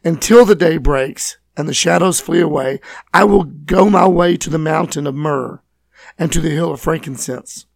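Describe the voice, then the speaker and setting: A man with a scratchy, hoarse voice, teaching and reading scripture as host of a Bible program. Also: a little high, moderate pace, dry recording. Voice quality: scratchy, raspy. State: hoarse from voice loss, recovering.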